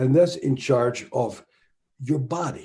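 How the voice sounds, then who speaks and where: A man with a Dutch accent, a medium pitch, a dark, mellow tone, a somewhat breathy sound and a moderate pace. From Netherlands. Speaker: psychiatrist, trauma researcher. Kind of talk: interview.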